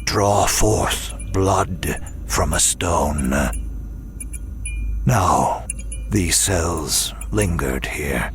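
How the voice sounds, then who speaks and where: An actor playing a weary, wry imprisoned demon in an audio drama, speaking in a measured, dryly sardonic way. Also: male voice, low-pitched. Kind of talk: first-person audio drama narration and dialogue.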